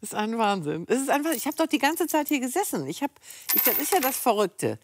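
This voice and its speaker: A woman's voice: a little high, sing-song, quick pace, background noise. A woman hosting a TV show, chatting with a guest and reacting with exclamations of amazement. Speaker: TV show host. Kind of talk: casual TV studio chat.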